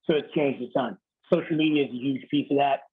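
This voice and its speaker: A raspy-voiced man in his thirties, a military officer giving a blunt, casual leadership talk over a video call. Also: mid-range voice, fast talker, narrow, tinny audio. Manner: blunt, casual, swears lightly. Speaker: Marine Corps officer speaking to a unit.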